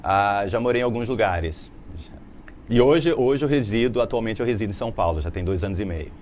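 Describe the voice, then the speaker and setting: A man's voice: fairly low pitch, lively intonation, brisk, darkish tone, a little hiss or hum. A man from Brazil in his thirties, a political scientist, explaining his ideas at length as a TV interview guest. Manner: articulate, explanatory, laughs easily.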